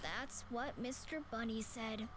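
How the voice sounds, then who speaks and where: A woman's voice: on the high side, a little slow, a crowd in the background, lightly acted. A woman voicing a small, eerie child who speaks for a toy bunny in a visual novel. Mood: quiet, eerie. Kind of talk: visual novel character acting.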